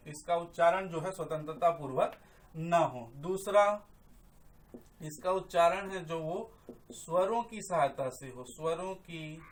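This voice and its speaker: A young man gives an online grammar lecture in a fairly high voice. He repeats key terms, asks questions and answers them himself, and stretches out sounds to demonstrate them. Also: a bit bright. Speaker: Hindi grammar teacher.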